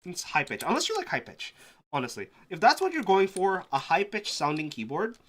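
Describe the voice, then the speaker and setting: Lively-pitched streamer muttering while thinking aloud. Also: a little fast, slight background noise. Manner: mutters to self, restarts, exclaims. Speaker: live streamer testing keyboards. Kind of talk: casual thinking-aloud commentary.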